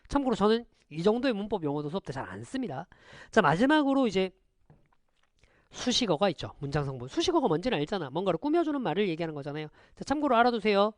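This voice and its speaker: A man teaching an online lecture, quizzing students with quick rhetorical questions and switching between polite and casual speech. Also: high-pitched, no room sound, clean studio sound. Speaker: English teacher.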